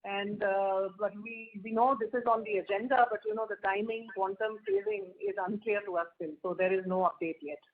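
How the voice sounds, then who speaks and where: A woman with an Indian accent answering questions as a company executive on an earnings call, in a halting, conversational way. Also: medium pitch, animated. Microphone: telephone. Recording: muffled narrow phone conference line.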